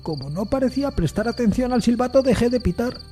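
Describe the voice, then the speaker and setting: A man playing a distraught, deferential Victorian train driver who recounts a fatal accident in a halting, pleading way. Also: very high-pitched, animated, dark tone, soft background music, voice pushed up. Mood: shaken, subdued.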